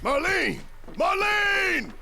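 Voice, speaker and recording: An actor playing a big, gruff, anxious father in a video game, forceful and tender about his little girl, with a gravelly voice. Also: very high-pitched, very animated, very noisy, exaggerated voice. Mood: frantic. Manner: forceful, emotional, halting when tender.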